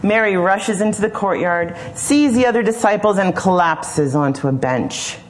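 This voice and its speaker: A woman preacher retelling a scripture story slowly and imaginatively, often pausing to question the listener. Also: mid-range voice, lively intonation. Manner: slow, imaginative, gently questioning. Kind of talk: storytelling sermon.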